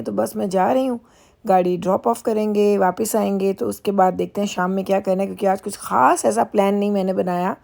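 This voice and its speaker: A woman's voice: mid-range voice, gravelly, mellow. A middle-aged woman from Pakistan chatting casually in a vlog, rambling and laughing easily as she drives and waits. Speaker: vlogger. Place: car while driving, then dealership lounge.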